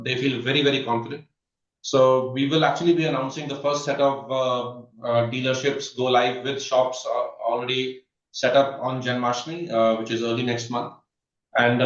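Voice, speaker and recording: A male executive walks through company results on an earnings call, stopping often on "uh" and starting sentences over. His voice sits at an ordinary middle pitch. He sounds distant and roomy, as if picked up from across a room, and the dull, muffled line takes the edge off his words. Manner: halting, many filler "uh"s and restarts. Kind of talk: earnings conference call commentary.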